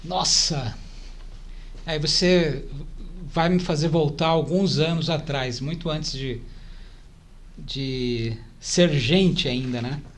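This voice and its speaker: A man's voice: on the high side, takes it slowly, pauses often. A man in his forties with a São Paulo Brazilian accent, chatting casually as a podcast guest and often adding little tag questions. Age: 40s. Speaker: podcast guest, church stake president. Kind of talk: casual interview chat.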